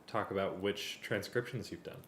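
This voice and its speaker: Man, slightly low pitch, casual co-host, conversational, roomy echo. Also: moderate pace, a bit bright. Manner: informal, conversational, asking questions. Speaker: livestream co-host. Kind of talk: casual chat. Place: indoor room. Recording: roomy echo, clear background noise.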